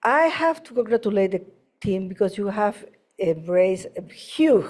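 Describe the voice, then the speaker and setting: A woman from Peru with a Peruvian Spanish accent, commenting off the cuff at a conference in halting non-native English, often adding "no?" as a tag. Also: medium pitch, animated, darkish tone. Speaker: health project worker giving feedback at a conference. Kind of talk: impromptu comment at a conference session.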